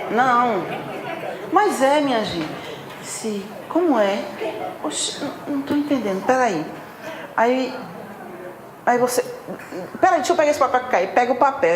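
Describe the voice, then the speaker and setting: A woman giving a spiritual talk at a spiritist center, chatty and animated as she acts out everyday scenes. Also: fairly high pitch. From Northeast Brazil. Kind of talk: spiritual talk to a live audience. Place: meeting hall of a spiritist center. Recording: roomy hall, faint background noise.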